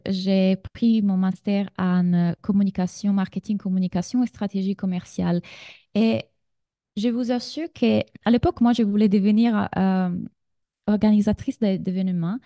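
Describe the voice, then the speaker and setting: A woman's voice: medium pitch, mellow, no room sound, clean studio sound. A woman from Sardinia in her thirties with an Italian accent, leading a live online masterclass as a business coach and chatting directly with her audience. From Sardinia, Italy.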